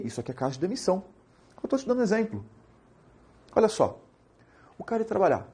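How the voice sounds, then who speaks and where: A young man with a Brazilian Portuguese accent teaching administrative law in a lively lecture, joking and asking rhetorical questions. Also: fairly high pitch, slightly rough. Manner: animated, jokey, asks rhetorical questions.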